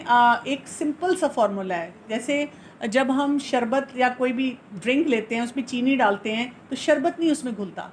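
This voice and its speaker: Woman with a high voice, earnest counselor giving advice to a listener, answers her own questions, faint hiss behind her. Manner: mixes English phrases into her talk; earnest and instructive. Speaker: family counselor. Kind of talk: advice talk.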